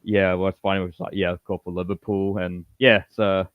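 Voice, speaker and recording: Low-voiced Malaysian-born man, rambling chat. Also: moderate pace, no echo, narrow, tinny audio. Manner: rambling, animated, many you-knows and restarts. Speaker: podcast host. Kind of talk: casual interview chat.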